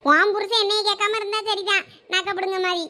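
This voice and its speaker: A woman's voice: very high-pitched, level tone, fast talker, bright, forceful tone. A woman voicing a bossy village mother in a cartoon who grumbles and scolds in a Thoothukudi Tamil accent. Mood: grumbling.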